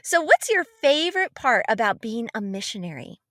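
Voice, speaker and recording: A young adult woman hosting a children's show, gently interviewing a child and repeating answers back encouragingly. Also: a little high, big pitch swings, normal speed, no room sound, clean studio sound. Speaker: children's program host and interviewer.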